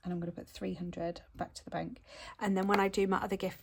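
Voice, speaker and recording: A woman at a fairly quick pace in a very clean recording with a silent background. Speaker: budgeting vlogger. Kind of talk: casual chat.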